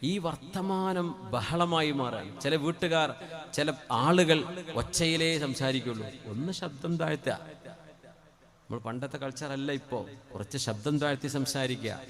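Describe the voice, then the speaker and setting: A man preaching a sermon into a microphone. He moves between quiet conversational asides and loud, drawn-out chanted passages. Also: mid-range voice, crowd noise. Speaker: Islamic preacher.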